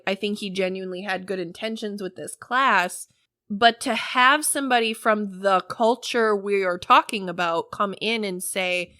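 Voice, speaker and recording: A woman's voice: mid-range voice, pushed and bright, no room sound, clean studio sound. A woman hosting a podcast, speaking in an emphatic, enthusiastic way. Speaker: podcast host. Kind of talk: casual podcast discussion.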